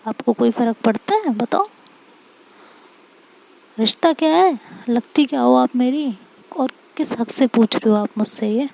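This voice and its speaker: A woman voicing an angry, proud young woman who scolds in sharp, rapid retorts. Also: a little high, gravelly, a little hiss or hum. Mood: scornful.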